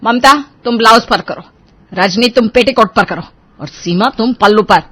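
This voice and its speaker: A woman's voice: fairly high pitch, moderate pace, pushed and bright, breathy edge. A woman voicing a bossy, scolding mother-in-law in a storybook tale. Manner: scolding, commanding. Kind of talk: storybook character voice.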